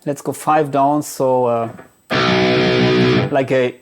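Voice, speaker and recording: A man demonstrates guitar gear in a casual, unscripted way. His voice sits at a middle pitch and he feels his way along hesitantly, thinking out loud. Guitar music is prominent in the recording. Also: steady tone, takes it slowly. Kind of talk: casual unscripted product demo.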